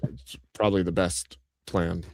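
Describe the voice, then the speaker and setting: A man chatting casually as a live stream host, teasing with absurd deadpan humour. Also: low-pitched, measured pace, gravelly, slight background noise. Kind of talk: casual chat.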